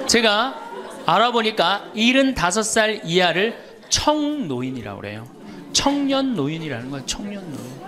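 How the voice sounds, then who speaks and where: A man's voice: high voice, big pitch swings, moderate pace, crowd noise, noisy background. A middle-aged man, a Catholic priest, giving a humorous lecture and telling stories to an audience. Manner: storytelling, quoting others, teasing the audience.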